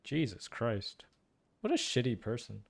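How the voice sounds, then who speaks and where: A man's voice: medium pitch, big pitch swings, a little slow, gravelly, slightly rough. A man giving casual, musing playthrough commentary and analysis, repeating phrases for emphasis. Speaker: gaming streamer reacting to a story quest.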